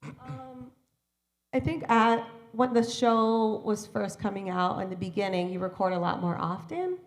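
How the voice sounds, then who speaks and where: A woman's voice: fairly high pitch, unhurried. A woman in her thirties, a voice actor guest chatting animatedly on a convention panel with a handheld mic. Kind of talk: casual panel chat.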